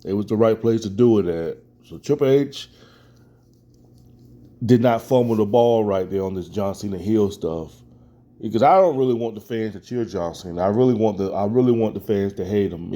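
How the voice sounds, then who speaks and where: An American wrestling fan delivers casual, opinionated commentary in colloquial speech, often repeating phrases for emphasis. His voice is on the low side with a dark tone.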